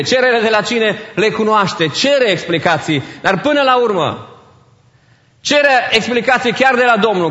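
A man's voice: high-pitched, fairly bright tone. A man preaching a sermon as pastor, emphatic, repeating key phrases and slipping in English phrases. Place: church. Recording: reverberant church hall, dull sound.

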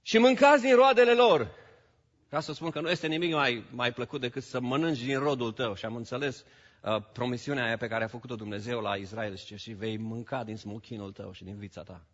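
A man from Romania preaching a sermon as pastor, swinging between loud declaiming and quiet asides, dropping in English phrases. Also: mid-range voice, steady tone. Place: church hall. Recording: dull sound with long hall reverb.

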